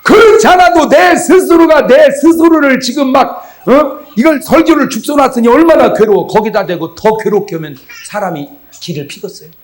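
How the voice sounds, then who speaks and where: A middle-aged man preaching a humorous revival sermon to a congregation, telling stories from home and acting out his wife's replies, sometimes shouting. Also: very high voice, moderate pace, hardly any pauses. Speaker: pastor. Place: large church revival meeting.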